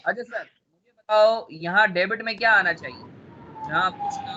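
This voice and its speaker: Man, accounting teacher, high voice, sore throat, teasing quiz style, dull lo-fi sound. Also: wildly swooping pitch, unhurried, bright, forceful tone. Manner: teasing, drills students with repeated questions. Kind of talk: classroom lecture with questions to students.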